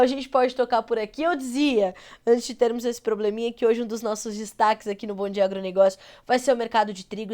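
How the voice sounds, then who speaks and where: A Brazilian woman with a cold anchoring a live agribusiness news show, her voice nasal and congested as she runs through market prices. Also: on the high side. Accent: Brazilian Portuguese. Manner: brisk, reads prices in a steady run.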